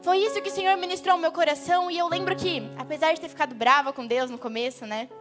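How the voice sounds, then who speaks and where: A young woman with a Brazilian Portuguese accent shares her testimony from a church stage in a high, bright register. Her talk is chatty, and she turns often to the audience. Soft music plays under her. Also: steady tone, fast. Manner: chatty, talks straight to the audience. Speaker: youth preacher. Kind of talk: testimony sermon.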